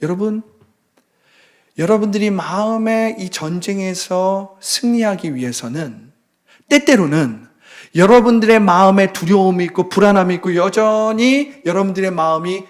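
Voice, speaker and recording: Man, pastor, passionate sermon, high voice, hushed drops, exclaims hallelujah. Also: moderate pace. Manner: dramatic storytelling with sudden drops to a hushed voice.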